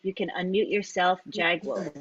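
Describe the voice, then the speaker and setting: A woman hosting an online webinar, briskly setting out the rules and calling on speakers. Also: on the low side, soft background music. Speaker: webinar host. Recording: muffled online call audio.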